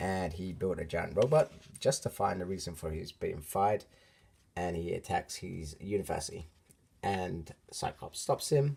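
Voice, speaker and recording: A man speaks in a very deep, low voice at a moderate pace. His delivery is somewhat breathy. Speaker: comic book reviewer. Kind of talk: casual review monologue. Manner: hesitant, with fillers.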